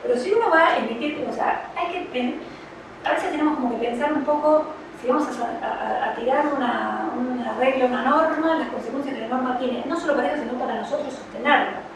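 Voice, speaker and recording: A woman's voice: high-pitched, a little fast, vocal fry, background noise. A woman with a Rioplatense Spanish accent, a child psychology professional, giving an informal, conversational talk to parents, explaining things with frequent fillers. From Argentina. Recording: echoey room, distant mic, faint ambience.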